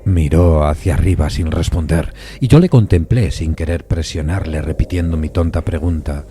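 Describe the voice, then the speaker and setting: A man giving a measured, literary dramatic narration of a classic suspense story. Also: extremely low pitch, dark tone, faint music behind. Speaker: narrator of an audio fiction adaptation.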